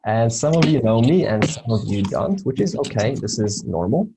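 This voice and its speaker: A man's voice: mid-range voice, animated, normal speed, noisy background. A Serbian-born man whose first language is Serbo-Croatian, giving an informal lesson in a hesitant way, with many fillers and restarts. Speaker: spiritual teacher.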